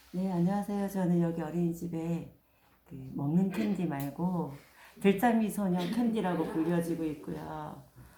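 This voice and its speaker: A fairly low-pitched woman at a fairly slow pace, ordinary pitch variation, and audible room echo. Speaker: daycare teacher, class participant. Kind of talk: self-introduction.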